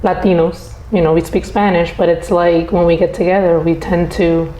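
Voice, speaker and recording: A woman's voice: lowish voice, flat delivery, moderate pace, warm tone, a little hiss or hum. A woman from the Dominican Republic hosting a casual interview podcast, encouraging her guest and backchanneling often. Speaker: podcast host. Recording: echoey room.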